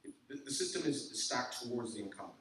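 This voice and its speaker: A man with a bright, forceful voice talks to a crowd, emphatic and direct. He sounds distant, in a very echoey room picked up from across the space, with a faint hum behind. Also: mid-range voice, expressive, brisk. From Canada. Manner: emphatic, peppered with "okay?" and "I can tell you". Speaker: guest speaker. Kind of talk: talk with audience questions. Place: large echoey meeting room.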